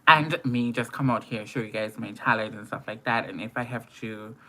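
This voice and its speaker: A man with an Antiguan accent chats informally on a livestream. His voice is strikingly bright and forward, at an ordinary male pitch. He is expressive and circles back over phrases to stress them. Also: normal speed. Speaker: makeup artist and live streamer. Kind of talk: casual livestream chat.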